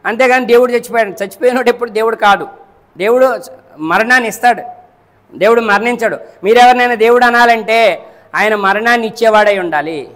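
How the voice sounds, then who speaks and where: A preacher with a high, somewhat bright voice delivers a Friday sermon at a slightly fast pace, the long echo of a large hall around him. He poses rhetorical questions, checks that listeners are following, and repeats and counts off his points.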